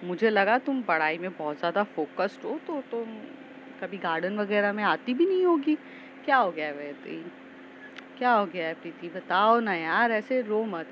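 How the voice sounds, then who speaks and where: A carefree, playful schoolgirl coaxes her crying friend with affectionate teasing, as a woman narrator puts her on. The voice sits at an ordinary middle pitch. The recording is slightly muffled, with faint traffic noise behind. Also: lively intonation, moderate pace, close to an everyday voice. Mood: coaxing.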